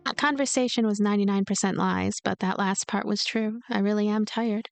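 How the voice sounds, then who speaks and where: A woman's voice: mid-range voice, steady tone, brisk, creaky, soft background music, natural voice. A woman voicing a lonely, cynical, manipulative girl who narrates a visual novel in a detached, coaxing way. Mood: cold, matter-of-fact.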